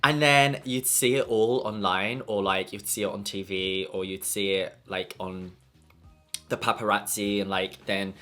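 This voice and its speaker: Bright-voiced chatty young man. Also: lowish voice, fairly even intonation, a little slow, faint music behind. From London. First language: Portuguese. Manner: chatty, gossipy, lots of "like". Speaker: makeup artist vlogger. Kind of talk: casual mukbang chat.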